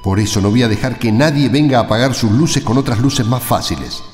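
A man's voice: mid-range voice, expressive, brisk, darkish tone, close to an everyday voice. An Argentine man playing an impassioned village priest in a radio drama, emphatic and full of rhetorical questions. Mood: earnest, exhorting. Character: impassioned village priest rallying his parishioners. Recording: echoey hall reverb, music behind.

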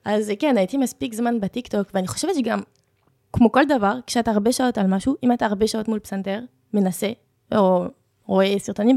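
A woman's voice: medium pitch, dark tone. A young woman with a French accent, chatting and telling stories casually as an interview guest. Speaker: content creator, interview guest. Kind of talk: casual conversational storytelling.

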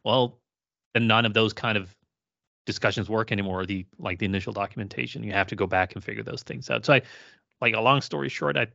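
A man's voice: fairly low pitch, vocal fry, fairly bright tone, no echo, highs cut off. A man co-hosting a casual tech podcast, talking at length with many fillers. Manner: rambling, many "uh" and "you know" fillers. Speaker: podcast co-host.

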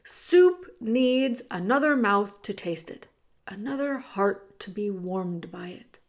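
A woman voicing a rough-spoken but soft-hearted kitchen cook who talks in a folksy dialect, coaxing and emphatic. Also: mid-range voice, lively intonation, slow pace.

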